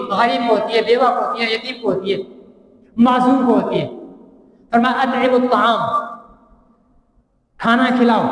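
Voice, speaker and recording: A man with a Pakistani accent preaching a sermon, telling a story and asking the crowd rhetorical questions. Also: extremely high pitch. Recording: echoey hall with long reverb.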